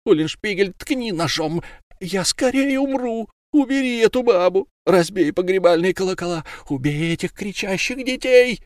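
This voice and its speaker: A shrill begging old werewolf. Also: male voice, animated, moderate pace, no room sound, studio quality. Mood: desperate. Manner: shrill, pleading. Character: old male werewolf murderer, wounded, begging.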